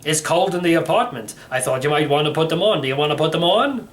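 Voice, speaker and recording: Man doing an eccentric ancient uncle, storybook character, clipped and matter-of-fact, swooping pitch, noisy rumbling recording. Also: lively intonation, fast, a bit bright.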